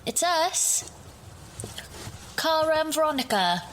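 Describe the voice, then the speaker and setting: Reluctant female intruder, sarcastic and jittery, unhurried speech, faint noise behind, radio play. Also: high-pitched, very animated, fairly bright tone, exaggerated voice. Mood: jittery, hushed. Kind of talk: audio drama acting.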